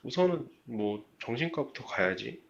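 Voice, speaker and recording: A man's voice: mid-range voice, sing-song, normal speed, creaky, crowd noise. Muffled male caller, hesitant and casual. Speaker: phone caller. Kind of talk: casual personal phone conversation. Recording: muffled, dull phone call.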